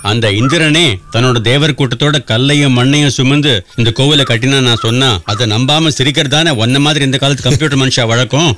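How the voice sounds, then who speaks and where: Actor as bright-voiced, teasing temple priest. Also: male voice, medium pitch, steady tone, fairly quick, few pauses, a little hiss or hum, natural voice. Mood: teasing, proud. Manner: knowing, teasing, rhetorical questions. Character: learned, teasing Brahmin temple priest, self-assured and enigmatic. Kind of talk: radio drama acting.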